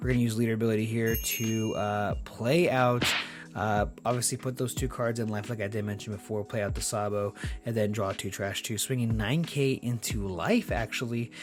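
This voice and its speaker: With music playing in the background, a man talks at medium pitch with ordinary pitch variation. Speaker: card game commentator. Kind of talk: live commentary. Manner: fast.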